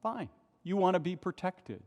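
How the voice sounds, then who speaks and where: Male pastor, pulpit microphone, impassioned sermon, rhetorical questions, fairly high voice, long church reverb. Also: expressive, normal speed, a little mellow. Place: large nearly empty church.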